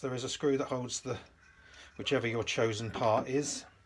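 Light background noise is present. A man talks at a fairly quick pace with fairly even intonation. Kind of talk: tutorial. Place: workshop.

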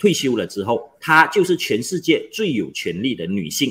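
This man's voice has vocal fry. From Malaysia. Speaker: lawyer and political columnist; political commentator guest. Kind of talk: political commentary. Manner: frequent fillers and hesitations. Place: home room.

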